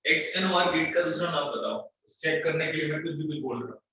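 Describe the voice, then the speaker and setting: Firm and blunt, a fast-talking man leads a live online electronics lesson from a studio. His a-little-high voice has a lo-fi sound, captured by a distant, faintly noisy studio mic and buried in heavy echo like a shout in a canyon.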